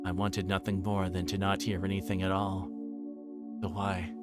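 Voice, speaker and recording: A man with a low voice and a completely flat delivery speaks at normal speed. He's livestreaming a visual novel, reading the story aloud dramatically and chatting casually in between, with game music playing in the background.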